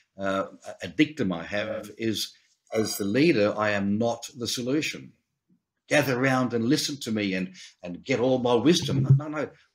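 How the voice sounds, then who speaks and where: A man with an Australian accent speaks at a medium pitch. His pitch rises and falls in an ordinary way. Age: 70s. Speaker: leadership consultant and trainer. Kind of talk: interview. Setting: video call. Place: home room. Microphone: webcam.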